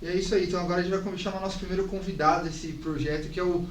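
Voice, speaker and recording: A man's voice: high-pitched, steady tone, racing. A young man with a São Paulo Brazilian accent, co-hosting a podcast in a casual, chatty way. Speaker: podcast co-host. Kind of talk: casual interview chat. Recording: roomy, distant mic, background noise.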